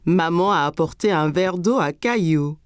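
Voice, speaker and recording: This storybook-style narration of a children's cartoon comes from a woman with a fairly low voice at normal speed, lightly acted. The recording is dry and studio-clean, and she tells of a small boy's everyday adventures.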